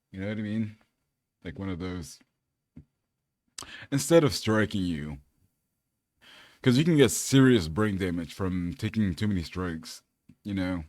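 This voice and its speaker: Laid-back male fitness vlogger from California, low voice, dry close recording, rambles casually. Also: darkish tone, no echo. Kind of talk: casual chat to camera.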